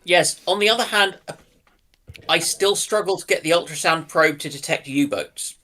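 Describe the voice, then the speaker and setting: Bright, somewhat high-voiced man. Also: normal speed. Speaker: panelist, doctor. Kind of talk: casual chat.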